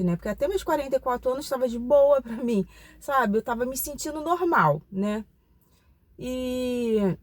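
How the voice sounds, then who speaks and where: A woman's voice: fairly high pitch, darkish tone. A Brazilian woman in her forties, talking to her viewers in a reflective, confiding way with many tag questions. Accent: Brazilian Portuguese. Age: 40s. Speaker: channel host. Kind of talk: casual personal vlog talk.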